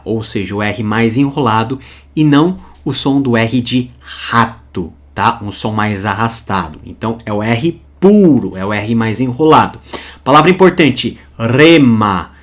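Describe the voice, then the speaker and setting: A man with a Brazilian Portuguese accent gives a recorded lesson. His pitch swings widely as he stresses key points, and he slows right down to spell out sounds and examples. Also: a bit bright. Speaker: teacher.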